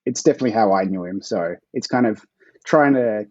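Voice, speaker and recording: A man's voice: fairly low pitch, brisk, dark tone, no room sound, muffled recording. An Australian man being interviewed as a guest author, answering in a laid-back way with frequent chuckles.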